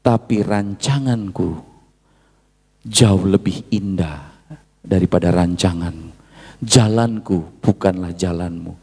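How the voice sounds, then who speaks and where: A male pastor preaching a sermon, dropping from low murmurs to loud high shouts and slipping into asides. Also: slow, pauses often, breathy edge. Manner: mixes Indonesian with Javanese asides. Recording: long hall reverb.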